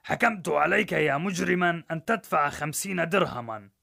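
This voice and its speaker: A man's voice: on the high side, expressive, normal speed, gravelly, sharp tone, voice pushed up, heavily acted. A man doing a stern, pompous judge. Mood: commanding. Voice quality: commanding. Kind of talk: storybook narration.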